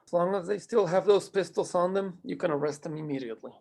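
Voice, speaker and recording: A man's voice: high voice, fast, gravelly, darkish tone. A man playing an indignant small-town lawman in a script table read. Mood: assured.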